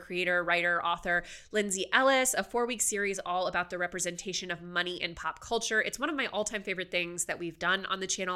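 A woman show host speaks in a bright, forceful voice clogged by a head cold. The blocked nose gives her a hollow, nasal tone, while her delivery stays casual, chatty and emphatic, as if introducing and interviewing a guest. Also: medium pitch. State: congested, stuffed-up nose from a cold.

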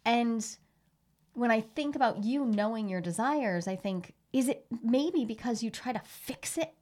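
Woman explaining ideas, animated. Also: on the high side, a little slow. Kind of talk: casual conversation.

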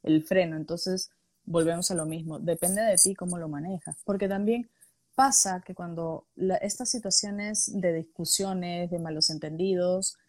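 Low-voiced woman explaining in casual talk. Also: normal speed, darkish tone. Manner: explanatory, builds points with examples. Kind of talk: casual conversation on emotions.

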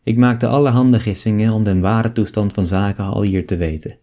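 A man reading an old novel aloud as an audiobook, in a measured storytelling way. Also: on the low side, steady tone, mellow. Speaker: audiobook reader.

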